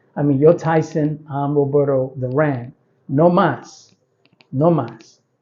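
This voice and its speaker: Somewhat breathy, a man speaks at a very slow pace in a fairly high pitch with fairly even intonation. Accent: American. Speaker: YouTuber. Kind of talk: monologue challenge to another YouTuber. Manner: slow, deliberate; careful word choice, occasional stumbles.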